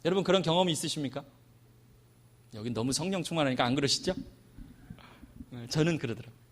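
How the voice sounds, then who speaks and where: Animated high-voiced male preacher. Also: quick pace. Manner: animated, dramatic, asks the congregation to respond; acts out quoted voices with loud shouts. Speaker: missionary preacher. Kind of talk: sermon.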